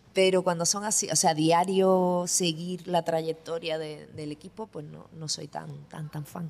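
A woman speaks fairly slowly in a fairly low pitch, her intonation monotone and flat, her loudness swinging widely, and she hardly pauses at all. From southern Spain, Jerez de la Frontera (Cádiz). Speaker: singer-songwriter. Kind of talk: casual interview chat. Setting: at a golf venue.

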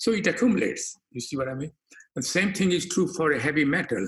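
Somewhat breathy and fairly high, a man's voice moves at a fairly quick pace through very wide pitch swings. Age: 80s+. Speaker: scientist. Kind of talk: interview.

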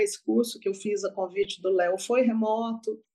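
Quiet surrounds this woman's voice. Her tone is dark and mellow. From Minas Gerais interior, Brazil. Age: 40s. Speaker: literature researcher and historian. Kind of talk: interview.

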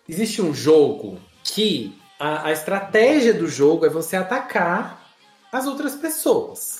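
Music plays in the background while a man speaks with very wide pitch swings. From Brazil. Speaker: podcast host. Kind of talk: casual chat.

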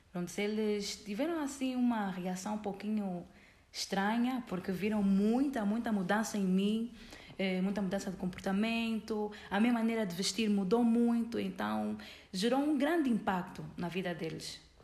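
A woman's medium-pitched voice, ordinary in its pitch variation, with audible room echo. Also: moderate pace. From Angola. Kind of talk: testimony. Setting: studio, in person.

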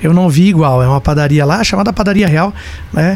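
A man speaks with a fairly high pitch and ordinary pitch variation. He has an unremarkable speaking voice. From São Paulo state, Sorocaba. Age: 40s. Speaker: state legislator and federal police agent. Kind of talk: interview.

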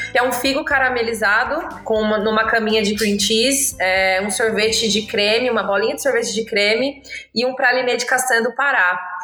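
Over noticeable background noise, a woman with a fairly high voice talks at a moderate pace with hardly any pauses and ordinary pitch variation. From interior of São Paulo state, Brazil (Ribeirão Preto). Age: 30s. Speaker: beer sommelier. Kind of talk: casual chat.

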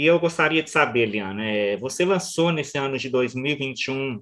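With a bright, sharp tone and a fairly high pitch, a man talks with ordinary pitch variation. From Minas Gerais, Belo Horizonte. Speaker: radio host. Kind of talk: interview.

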